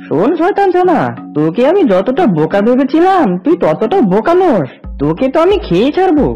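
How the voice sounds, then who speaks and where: A sly cartoon fox uncle, voiced by a woman, with a fairly high, very animated delivery. The character is a scheming predator who plays the caring relative. The sound is slightly dull, with music behind. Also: fairly quick. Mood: angry, threatening. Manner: wheedling sweet talk turning to threats. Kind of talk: children's cartoon voice acting.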